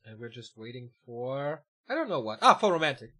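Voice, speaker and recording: A man casting a live esports match: fast, excitable play-by-play that climbs at big moments, and relaxed chat with viewers between games. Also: medium pitch, breathy edge. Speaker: esports caster. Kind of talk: live video game match commentary.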